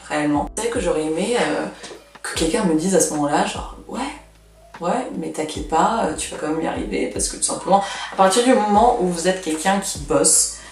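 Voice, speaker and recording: A woman's voice: low-pitched, a little mellow. Twenty-something woman, chatty and blunt, echoey room, sounds a bit far from the mic. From Russia. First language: Russian. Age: 20s. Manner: chatty, frank, lots of fillers. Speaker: vlogger. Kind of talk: casual advice vlog.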